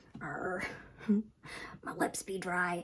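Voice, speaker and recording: A raspy, put-on character voice that sounds female, medium in pitch for a woman. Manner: playful, mock pirate.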